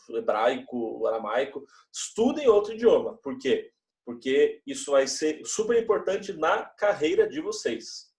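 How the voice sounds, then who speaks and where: A man's voice: medium pitch, darkish tone. Chatty young male teacher, echoey room. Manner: conversational, chatty, frequent "né?". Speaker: religious education teacher. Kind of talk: classroom talk to students. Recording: echoey room, mic at a distance.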